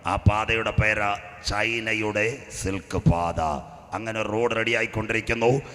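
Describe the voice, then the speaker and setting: A man delivers a sermon in a fairly low voice. He spins a story with acted voices, then builds to loud, shouted declarations. A long hall reverb trails behind every phrase. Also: fairly even intonation, unhurried. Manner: storytelling preacher, acts out characters, rises to shouting. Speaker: pastor.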